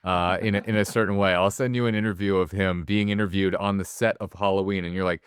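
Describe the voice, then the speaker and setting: A man's voice: low-pitched, fairly even intonation, fast, smooth, dry recording, clean studio sound. A man co-hosting a casual film podcast, rambling and swearing freely as he talks. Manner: rambling, swears freely, stumbles over restarts. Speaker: podcast co-host.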